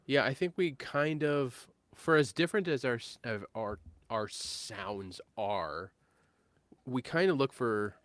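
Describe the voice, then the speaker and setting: A man in his late thirties hosting a casual live-stream chat about guitar tones, easygoing and quick to laugh. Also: medium pitch, fairly bright tone, no echo. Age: 30s. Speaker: host.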